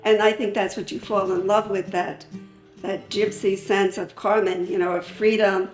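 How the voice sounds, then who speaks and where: A woman's voice: medium pitch, little pitch movement. Reflective middle-aged woman in a roomy space. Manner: reflective, halting, with pauses and fillers. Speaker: flamenco dance teacher. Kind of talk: interview. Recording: roomy sound, music faintly behind.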